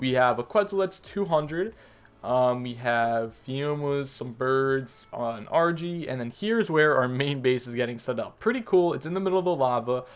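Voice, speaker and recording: With noticeable background noise behind him, a man with a fairly high pitch speaks in a lively intonation. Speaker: gaming YouTuber. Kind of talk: gameplay commentary. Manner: fast; casual, filler-heavy.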